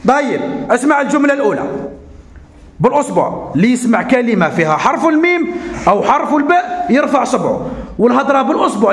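Algerian guy teaching little kids, really high voice, talks fast, echoey classroom. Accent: Algerian Arabic. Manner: animated, coaxing teacher voice, slow deliberate dictation. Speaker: primary school teacher. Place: school classroom.

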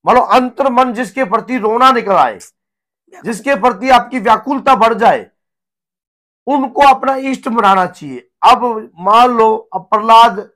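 A hoarse man in his thirties, a spiritual guru giving an earnest devotional teaching talk at home. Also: extremely high pitch, measured pace, a bit bright. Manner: earnest, gesturing, repeats himself. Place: home room with a shrine, indoors.

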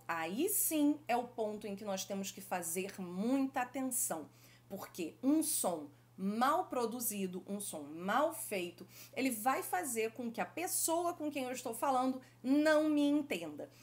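Lively Brazilian woman teaching French. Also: a little high, measured pace. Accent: Brazilian Portuguese. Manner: affectionate, lively direct address to viewers. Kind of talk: YouTube language lesson.

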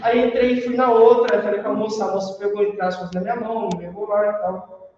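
A man's voice: high voice, brisk, slight background noise. A man with a Brazilian accent teaching a class on customer service, telling stories and acting out customers and clerks. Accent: Brazilian Portuguese. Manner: animated storytelling, acts out customers and clerks. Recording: echoey room, far from the mic, dull sound.

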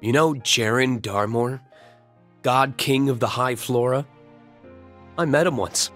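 An actor playing a reckless, thrill-seeking young man in a video game, emotional and sardonic, with a husky voice. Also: medium pitch, takes it slowly, fairly bright tone, soft background music. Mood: sly, confiding. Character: reckless thrill-seeking young man, betrayed creation pleading with his father. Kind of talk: dramatic video game voice acting.

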